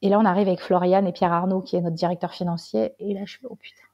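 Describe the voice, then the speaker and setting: Fast-talking animated woman telling a story. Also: on the low side, dull audio. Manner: animated, swears casually, keeps saying "tu vois". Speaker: guest, tea salon founder. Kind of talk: casual interview storytelling.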